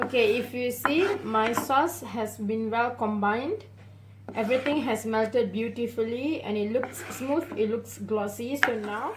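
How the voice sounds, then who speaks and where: A woman with a fairly high voice speaks at a fairly slow pace, her pitch moving in an ordinary way. Noticeable background noise and audible room echo fill the recording. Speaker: cooking channel host. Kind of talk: cooking tutorial. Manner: slurring.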